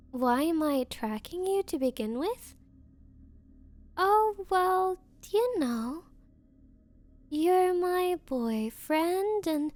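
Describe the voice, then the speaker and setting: A woman acts out a bratty yandere rich girl in an ASMR roleplay. The voice is high and unhurried, recorded dry and close. She coaxes with haughty, falsely patient condescension, halting as she goes, possessive underneath the sweetness. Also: darkish tone, dry recording. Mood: sweetly possessive. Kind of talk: ASMR roleplay, girlfriend addressing listener.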